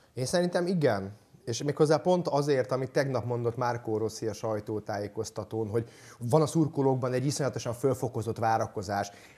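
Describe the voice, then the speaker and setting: A man talks at a fairly quick pace with a medium pitch and ordinary pitch variation. His tone is dark and mellow, and somewhat breathy. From Hungary. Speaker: sports journalist. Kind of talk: casual chat. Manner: halting. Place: studio. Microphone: lapel.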